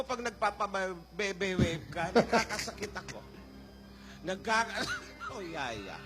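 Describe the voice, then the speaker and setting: A high, squeaky old grandmother who scolds, wails and complains with theatrical cries, as a man acts her out. She drags her lines out slowly over music playing behind. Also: heavily acted. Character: melodramatic fussy old grandmother, jealous and complaining. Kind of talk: live comedy sketch.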